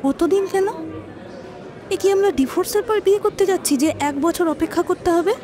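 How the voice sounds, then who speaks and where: A high-voiced, insistent lover. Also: female voice, moderate pace, warm tone, some chatter behind. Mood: impatient. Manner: insistent, dismissive, pressing. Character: impatient, determined woman pressing her lover to marry. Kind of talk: Bengali audio drama dialogue. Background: dramatic music.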